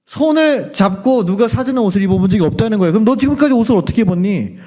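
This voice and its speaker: A man's voice: mid-range voice, darkish tone. A man preaching a revival sermon as a pastor, telling a story and acting out its dialogue in several voices.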